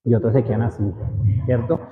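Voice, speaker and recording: A man's voice: medium pitch, fairly even intonation, fairly quick, a little hiss or hum. A man preaching a sermon to a congregation, often asking the listeners questions. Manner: asks the audience frequent questions. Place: church hall. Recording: roomy hall echo, dull lo-fi sound.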